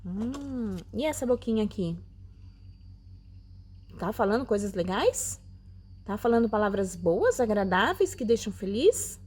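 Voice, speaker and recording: A woman gives a Bible lesson to young children in a sweet, coaxing tone. She keeps asking them gentle questions as she goes. She records it at home, facing the camera. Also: medium pitch, sing-song, unhurried, long pauses, slightly rough. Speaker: Sunday school teacher.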